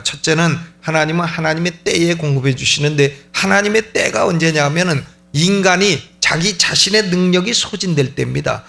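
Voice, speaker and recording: A middle-aged man preaching a sermon in a church, animated and acting out the prayers he quotes. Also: a little high, vocal fry. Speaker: pastor. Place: church sanctuary.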